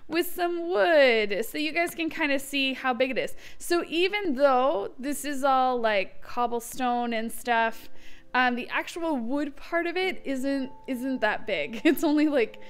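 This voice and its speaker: A woman's voice: high voice, expressive, unhurried. A woman hosting a gaming video with casual, giggly commentary, chatting and thinking aloud as she plays.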